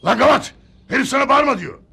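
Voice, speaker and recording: An actor playing a loud, pushy street watermelon vendor who bellows his cries and talks coarse and cheeky, outdoors in a sitcom. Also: very high voice, expressive, fast, vocal fry, breathy edge, exaggerated voice. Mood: bargaining. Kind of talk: sitcom acting. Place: outdoors in a holiday housing estate.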